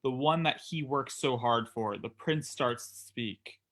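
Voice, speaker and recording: A man's voice: medium pitch, measured pace, fairly bright tone. A man reading scripted narration and stage directions for a staged wrestling script.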